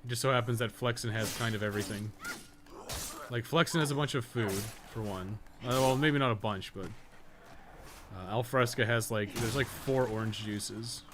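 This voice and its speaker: A man's voice: mid-range voice, normal speed, background noise. A man livestreaming a game, chatting casually and thinking aloud in a rambling, slangy, sweary way. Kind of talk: casual gameplay commentary, chatting while playing.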